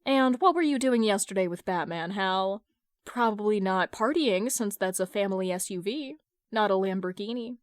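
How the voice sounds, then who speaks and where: A woman voicing a stern, sharp-witted female friend who questions pointedly, like a prosecutor, in an audio fan fiction reading. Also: medium pitch, expressive, no room sound, clean studio sound, close to an everyday voice. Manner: pointed, interrogating, deliberate.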